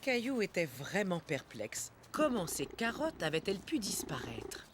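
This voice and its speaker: A woman narrator reading a scripted children's cartoon story with expressive storytelling. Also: lowish voice, unhurried, very noisy. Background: prominent music.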